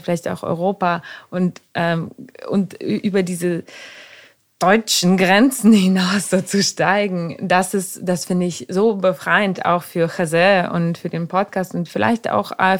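A woman hosts a podcast in a relaxed conversation. Her voice sits on the low side, and she explains her thoughts at length, with frequent ums and uhs. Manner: thoughtful, long explanations with many fillers. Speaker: podcast host.

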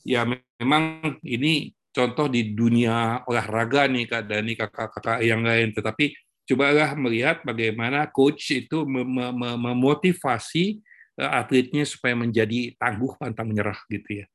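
A man's voice: medium pitch, moderate pace, a bit bright. A man with an Indonesian accent giving informal explanatory commentary as a presenter.

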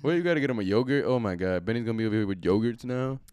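A man's voice: medium pitch, animated, rapid-fire, darkish tone, slight background noise. A man co-hosting a casual podcast at home, joking and swearing a lot into a close microphone. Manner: joking, profane, slangy. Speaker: podcast co-host. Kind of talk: casual banter with partner. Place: home room. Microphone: desk microphone, close.

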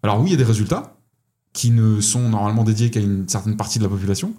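A man's voice: lowish voice, fast, dark tone. A man co-hosting a podcast, arguing his point in an intense, insistent and philosophical way. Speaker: podcast co-host. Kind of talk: casual podcast chat.

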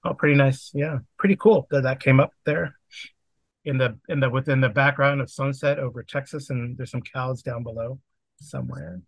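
A man's voice: medium pitch, moderate pace, dry recording. Guy running a tabletop game on a video call, rambly, loose, dry close mic. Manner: rambling, with many fillers and restarts. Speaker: game master and podcast host. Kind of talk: casual chat before a tabletop game. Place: home setup on a video call.

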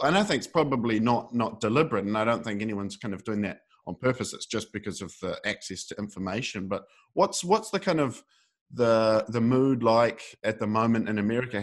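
A man with a fairly low voice speaks as an interviewer in relaxed conversation. He is tentative and reflective, hedging often and letting his sentences wander as he feels his way through a thought.

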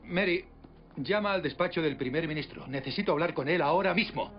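An actor playing a company executive who gives brisk, urgent orders over the phone, in a film dub. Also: male voice, a little high, natural voice. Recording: dull film soundtrack with music.

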